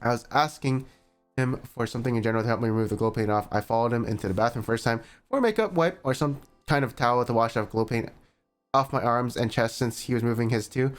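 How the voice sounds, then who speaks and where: A man's voice: medium pitch, fast talker, soft background music. A man streaming a reaction, reading a written statement aloud and skipping parts with "blah, blah". He breaks off now and then for sarcastic remarks. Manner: sarcastic asides between passages.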